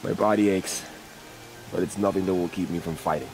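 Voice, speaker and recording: Grave, deep-voiced young tribal warrior, played by a man. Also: fairly even intonation, a little fast, natural voice, poor audio. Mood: stoic. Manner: grave, formal storytelling phrasing. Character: weary young male tribal warrior, earnest and stoic. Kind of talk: dramatic video game acting. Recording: loud music and rain behind. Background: music, rain.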